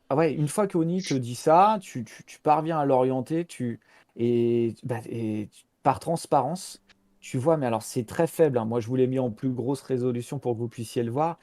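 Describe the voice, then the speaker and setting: A man's voice: mid-range voice, mellow. A man running a tabletop role-playing game as game master, explaining the scene with lots of hesitations and restarts. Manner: hesitant, many fillers and restarts while explaining.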